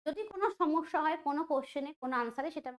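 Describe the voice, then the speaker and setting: Lady teacher going thru quiz questions, high voice, chatty, lots of fillers. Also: very fast. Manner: chatty, thinking aloud with fillers; asks students questions. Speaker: exam prep teacher. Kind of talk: online quiz lesson.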